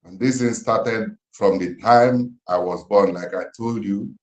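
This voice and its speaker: A Nigerian man in his fifties, speaking slowly and gravely over a phone call, with an emphatic, almost preaching manner. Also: fairly low pitch. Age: 50s. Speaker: interviewer on a call. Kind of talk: impassioned questioning, near-sermon. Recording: echoey phone-call audio.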